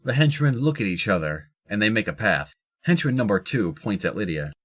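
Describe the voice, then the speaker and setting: A man with a deep voice serves as narrator of an audio drama. He reads scripted descriptions of the action. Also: big pitch swings, a little fast, fairly bright tone.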